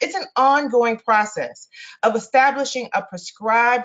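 Against a quiet background, a woman talks at a moderate pace with an enthusiastic, energetic tone. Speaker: career development speaker at webinar. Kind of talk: motivational, conversational. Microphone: webcam.

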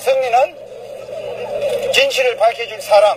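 A man speaks over noticeable background noise. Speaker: rally attendee interviewed. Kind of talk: street interview answer. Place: stadium. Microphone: handheld.

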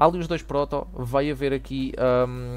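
A man speaks with a European Portuguese accent. His pace is fairly slow. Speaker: gaming YouTuber and tournament host. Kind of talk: esports commentary, narrating replays of card-game duels. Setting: recorded voiceover over gameplay. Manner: casual, conversational, hesitant with filler words; upbeat, enthusiastic, play-by-play narration of each move.

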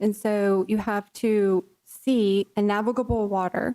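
A soft-spoken woman with a North Carolina accent, dark and mellow in tone, flat and monotone, in a dry, close sound with no echo. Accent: US Southern (North Carolina). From North Carolina (Stanly County). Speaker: wetland scientist speaking at public hearing. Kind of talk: public comment at council meeting. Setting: city council meeting with microphone. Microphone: too far from microphone at first.

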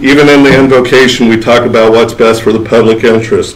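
With fairly even intonation, the man talks at a fairly quick pace. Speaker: resident giving public comment. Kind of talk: public comment statement. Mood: earnest, formal opposition. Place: hall. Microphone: podium.

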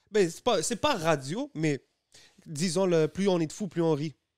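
Against a quiet background, a man speaks very slowly at a fairly high pitch with ordinary pitch variation. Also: dry sound with no echo. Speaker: podcast host. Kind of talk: casual chat. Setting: studio. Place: studio. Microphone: studio mic.

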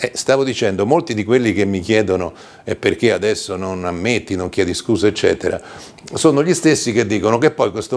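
Here a man speaks at a fairly quick pace. His fairly low-pitched voice has lively intonation. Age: 60s. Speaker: journalist. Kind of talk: video editorial. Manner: halting. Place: office.

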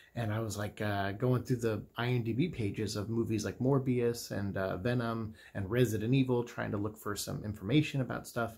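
The voice is quiet and somewhat breathy, moving at a fairly quick pace with hardly any pauses and fairly even intonation. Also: man, medium pitch for a man. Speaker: YouTube vlogger. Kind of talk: casual vlog. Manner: quiet, keeping voice down. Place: home room.

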